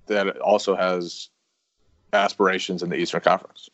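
A man's voice: deep voice, level tone, normal speed, a bit bright, no room sound. A man co-hosting a casual sports podcast, easygoing and self-mocking, often stumbling over his words. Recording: dry, slightly dull lo-fi audio.

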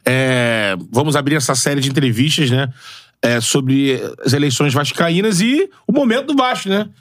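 A man's voice: fairly high pitch, lively intonation, normal speed. A man co-hosting a podcast interview, casual and thinking aloud as he talks. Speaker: podcast co-host.

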